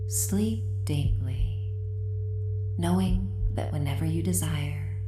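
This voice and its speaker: A woman playing a mysterious, doting and possessive hypnotist caretaker in a soft, breathy, whisper-prone roleplay audio. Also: sits low, full character voice. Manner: slow, soothing, hypnotic, often dropping into whispers. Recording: echoing voice over ambient tones. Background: soft ambient music with humming tones.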